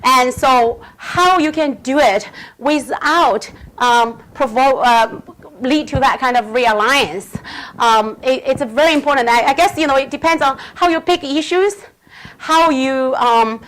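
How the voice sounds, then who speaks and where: Woman, academic speaker, halting delivery, fairly high voice. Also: a bit bright, rough recording. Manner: halting, many restarts and fillers. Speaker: guest speaker answering questions. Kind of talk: academic Q&A answer.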